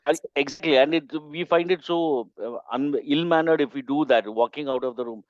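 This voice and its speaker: A man with an Indian English accent, a member of a coaching chapter, giving opinions in a casual online meeting with emphatic, halting phrasing. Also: on the high side, no room sound. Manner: opinionated, emphatic, with pauses and restarts. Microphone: video call. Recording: slightly dull call audio.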